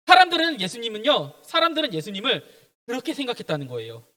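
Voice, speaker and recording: A man's voice: very high-pitched, wildly swooping pitch, fast, pushed and bright. A young man, a junior pastor, giving a children's sermon and quizzing the kids with questions as he goes.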